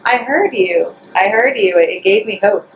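A woman guest in a casual interview, witty and argumentative, firing back quick comebacks. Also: mid-range voice, animated, dull audio, a little hiss or hum. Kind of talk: casual chat.

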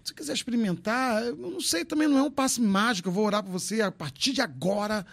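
A man's voice: high-pitched, quick pace, gravelly, a bit bright. A man in his fifties from Brazil, talking loosely and frankly on a podcast, joking and swearing as he tells his story. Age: 50s. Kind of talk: casual podcast chat.

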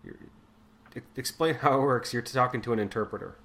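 Male interviewer, medium pitch, informal and a little hesitant, conversational questions. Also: a little fast, vocal fry, fairly bright tone. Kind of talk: casual interview.

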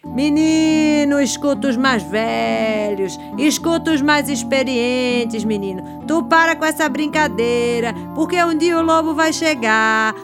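Irritated grown-up villagers from a children's tale, read by a woman storyteller, scolding a naughty boy. Their talk is firm and exasperated, fairly high, with slow, stressed words. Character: annoyed adult village neighbors scolding a boy.

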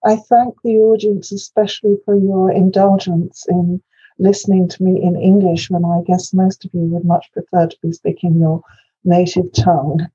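An older woman from Wales, a native Welsh speaker, lectures with lots of ums and restarts. Her voice is husky and dark, set slightly low. The recording sounds muffled. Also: level tone, normal speed. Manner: hesitant, many fillers and restarts. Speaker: invited academic speaker. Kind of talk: academic lecture.

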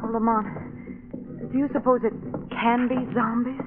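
A woman's voice: on the high side, steady tone, moderate pace, phone-quality sound, music in the background, close to an everyday voice. An actress playing an alert, inquisitive lady companion to the hero, in 1940s radio style. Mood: uneasy, curious. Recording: noisy, thin vintage radio recording.

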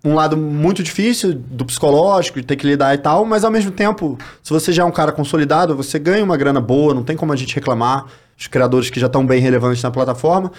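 A man with a Rio de Janeiro accent talks quickly in a loose, slangy way. His voice sits a little high, and he rattles through his thoughts as a podcast guest. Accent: Rio de Janeiro Brazilian Portuguese. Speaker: guest YouTuber. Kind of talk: casual podcast chat.

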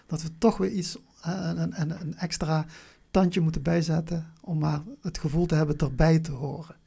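Husky, creaky, halting southern Dutch voice. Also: mid-range voice, fairly even intonation, mellow. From Venlo, Limburg, Netherlands. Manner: halting, searching, repeats words. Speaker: interview guest. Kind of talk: personal interview, reflective.

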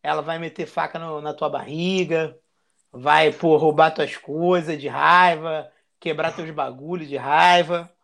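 A man's voice: fairly high pitch, steady tone, unhurried, gravelly, fairly bright tone. A man, a podcast guest talking in a crude, slangy, boisterous way. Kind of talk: casual chat.

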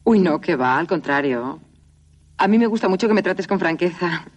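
A sly teasing neighbour. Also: female voice, fairly low pitch, expressive, moderate pace. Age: middle-aged. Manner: teasing, ironic. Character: sly teasing middle-aged woman neighbour.

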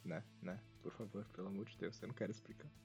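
A man's voice: on the low side, fairly even intonation, fast talker, gravelly, darkish tone. A Brazilian man hosting a casual podcast, chatting in a wry, self-mocking way. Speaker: podcast host. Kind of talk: casual humorous anime podcast chat. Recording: dull lo-fi sound, music behind.

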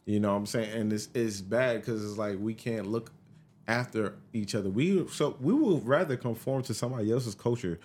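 A man's voice: lowish voice, normal speed, a little mellow, slight background noise. A man with an African American accent talking bluntly in a casual, heated discussion, swearing and repeating himself.

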